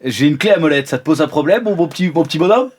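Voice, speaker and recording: A man's voice: on the high side, lively intonation, fast, a little mellow, pitched above the performer's own voice. A man playing a big balding man who is panicked, defensive and bluntly confrontational in an improvised role-playing game.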